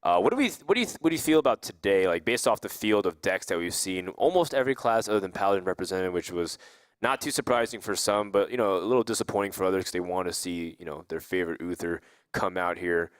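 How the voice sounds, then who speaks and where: A man hosting an esports tournament desk, recapping results and putting questions to his co-casters in a lively way. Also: sits low, quick pace, no echo.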